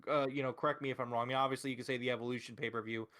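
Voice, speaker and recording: A man's voice: mid-range voice, little pitch movement, very fast, fairly bright tone. A man hosting a podcast, talking casually and emphatically about wrestling with strong opinions and frequent swearing. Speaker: podcast host.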